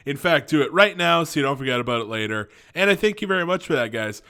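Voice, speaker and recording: A man's voice: a little high, expressive, quick pace, bright, forceful tone, smooth. A young man with a stuffy cold voice, casually reviewing cartoons on his channel with lots of restarts and fillers. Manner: rambling, many restarts and fillers.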